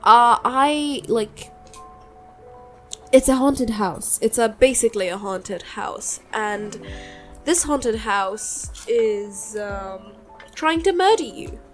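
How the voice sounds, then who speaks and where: Woman rambling casually over background music. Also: medium pitch. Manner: hesitant, halting, rambling delivery; informal, enthusiastic, mild swearing. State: sick. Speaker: solo podcast host.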